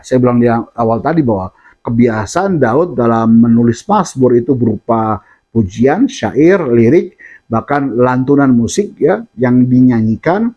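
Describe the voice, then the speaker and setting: A man's voice: mid-range voice, mellow. Preacher man with a dull lo-fi sound. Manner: addresses listeners as "saudara" often, with fillers and restarts. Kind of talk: sermon.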